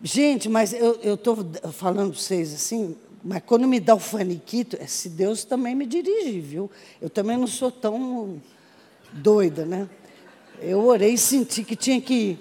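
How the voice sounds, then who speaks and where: A Brazilian woman missionary telling her testimony to a congregation in a lively storytelling manner, acting out the voices of the people in her story. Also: mid-range voice, normal speed, husky. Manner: animated storytelling with acted quotes. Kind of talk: testimony sermon. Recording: reverberant hall.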